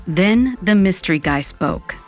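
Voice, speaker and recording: A woman's voice: fairly low pitch, lively intonation, measured pace, faint music behind. A woman playing a dramatic, dreamy young Latina who narrates her own story in an audio drama. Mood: wistful. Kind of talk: first-person scripted audio fiction narration.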